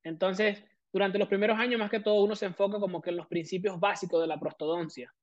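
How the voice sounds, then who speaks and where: A man's voice: high-pitched, steady tone, fast, dry recording, lo-fi sound. A man from Venezuela in his thirties with a Venezuelan accent, a guest explaining his career at length with many fillers. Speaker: guest prosthodontist. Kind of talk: casual interview.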